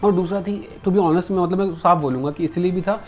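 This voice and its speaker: A man's voice: high voice, a little fast, soft background music. A man being interviewed as a comics publisher and letterer, speaking candidly and reflectively and mixing English phrases into his speech. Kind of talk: casual interview conversation.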